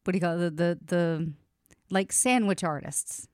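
A woman hosting a casual music podcast, talking in quick, chatty bursts and laughing often, a little sniffly from allergies. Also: lowish voice, dry recording, studio quality. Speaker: podcast host. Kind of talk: casual chat.

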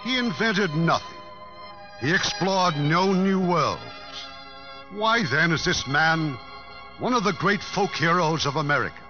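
A man hosting a radio theater in a formal, grand and measured scripted style from the 1950s. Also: fairly high pitch, animated, music in the background. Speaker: radio theater host and announcer. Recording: dull old radio broadcast recording.

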